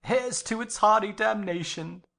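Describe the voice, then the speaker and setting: A woman's voice: mid-range voice, a little slow, gravelly, fairly bright tone. A woman voicing a blasphemous drunken man in an audiobook, pompous, taunting and defiant. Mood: mocking, defiant. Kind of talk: audiobook character acting.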